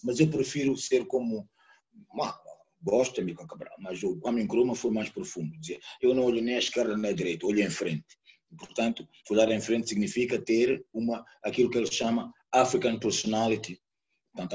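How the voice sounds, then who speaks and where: With a musing delivery, a Mozambican man with a Mozambican Portuguese accent, a guest speaker who is a poet and sociologist, gives a reflective lecture-style talk from home in a live online session. He searches for words and repeats them while thinking. His voice is low-ish and a little mellow, and the computer or phone mic on the video call makes the audio dull.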